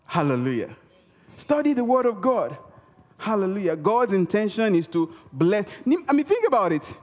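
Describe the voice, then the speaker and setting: A man's voice: high voice, very animated, normal speed. A man preaching a sermon in a church, emphatic and repetitive, calling out for responses from the congregation. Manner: emphatic, repeats key words for effect; calls for audience response. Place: church hall. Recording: reverberant hall.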